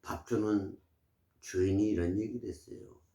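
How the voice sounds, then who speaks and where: A man's voice: on the low side, normal speed, dark tone. A man in his sixties giving health advice in casual, emphatic, preachy talk to camera. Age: 60s. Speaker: vlogger. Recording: roomy echo.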